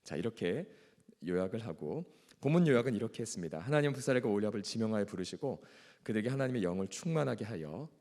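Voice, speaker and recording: A man's voice: lowish voice, expressive, fast talker, a little mellow. A male pastor with a strained, ailing throat, teaching a Bible class in a formal, earnest way. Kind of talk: Bible lecture with reading and prayer. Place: church hall. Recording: long echoing hall reverb.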